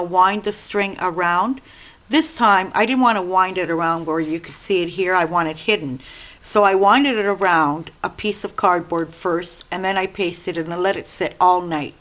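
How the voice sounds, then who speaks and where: A woman with an Italian-American accent hosting a casual craft tutorial at her home desk, chatting and explaining as she cuts and works, clearing an itchy throat now and then. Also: mid-range voice, fairly bright tone, rough recording. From Sicily. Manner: chatty, explaining while working with hands. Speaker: craft channel host.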